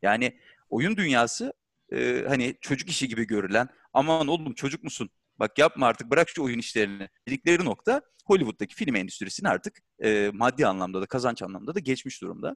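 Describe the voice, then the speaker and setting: In an ordinary speaking voice, a man talks at a fairly quick pace with lively intonation and medium pitch, the sound dry and close with no echo. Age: 30s. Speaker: corporate communications director. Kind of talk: webinar interview.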